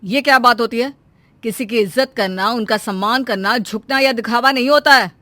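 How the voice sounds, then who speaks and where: Polite young husband in a cartoon, woman voicing him, firm, bright tone. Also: fairly high pitch, moderate pace, no echo. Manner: firm, reasoning.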